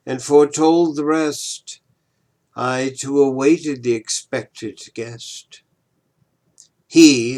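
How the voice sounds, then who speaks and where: An older man giving a dramatic, deliberate poetry recitation, moving between emphatic swells and hushed drops. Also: medium pitch. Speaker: poetry reader, retired professor.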